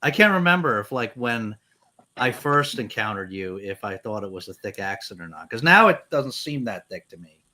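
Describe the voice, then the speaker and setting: A man from New Jersey with a New Jersey accent, co-hosting a casual chat, easygoing and quick to laugh. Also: on the low side, sing-song, pushed and bright. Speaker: co-host.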